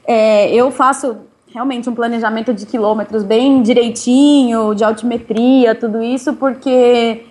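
A woman, chatting casually about her bike travels in an interview, relaxed and quick to laugh. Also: on the high side. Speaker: interviewee, touring cyclist.

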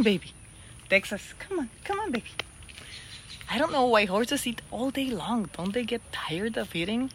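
A woman's voice: a little high, bright, forceful tone, slight background noise. Chatty woman. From Mexico. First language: Spanish. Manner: chatty, self-deprecating, coaxing with animals. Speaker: vlogger and TV talk show host. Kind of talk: casual chat to camera. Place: outdoors at a small ranch.

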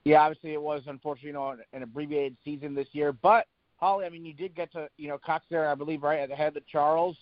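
A man's voice: a little high, level tone, fast talker, no room sound. Friendly-toned man hosting a college sports podcast. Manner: conversational, leads with recollections. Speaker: podcast host. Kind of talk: interview questions. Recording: dull lo-fi audio.

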